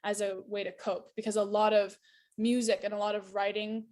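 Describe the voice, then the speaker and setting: A woman's voice: mid-range voice, little pitch movement, a little fast, a little mellow. A young adult woman answering as a guest author over a video call, casual and leaning on "like.".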